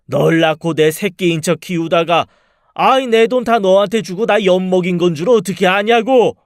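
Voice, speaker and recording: A man's voice: high-pitched, no echo, studio quality. A man playing a menacing, money-grubbing father in an audio drama, coarse, mocking and bullying in manner. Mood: mocking, bitter. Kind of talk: dramatized audio story acting.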